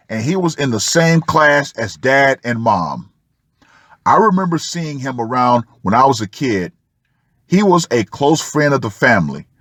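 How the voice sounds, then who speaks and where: A man narrates a written personal account at a very slow pace. His delivery is dramatic and drawn out, with pauses between phrases. The sound is dry, with no room around the voice. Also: mid-range voice, a bit bright, no room sound. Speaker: host of a commentary channel. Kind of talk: reading a personal post aloud with asides.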